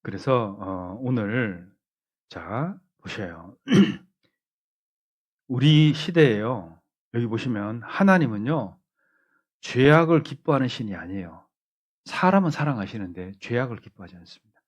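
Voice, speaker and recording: A man's voice: mid-range voice, lively intonation, unhurried, long pauses. A man preaching a sermon in a conversational way, often asking his congregation rhetorical questions. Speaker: pastor. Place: church hall.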